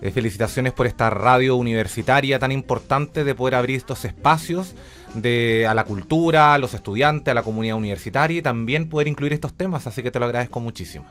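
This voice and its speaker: Chilean guy as a radio guest, medium pitch, informal and keen, explaining stuff as he goes. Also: fast, a bit bright. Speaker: interview guest, radio drama director and academic. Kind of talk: conversational radio interview.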